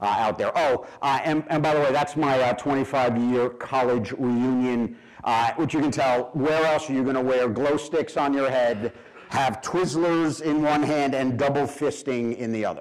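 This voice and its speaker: The man's loudness stays very even, and his intonation is fairly even too. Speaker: conference speaker. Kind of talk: conference talk. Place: hall.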